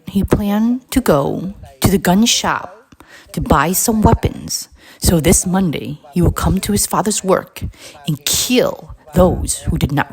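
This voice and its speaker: A woman reading a scripted address aloud in a deliberate, halting way, phrase by phrase. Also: sits low. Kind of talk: scripted read-aloud narration.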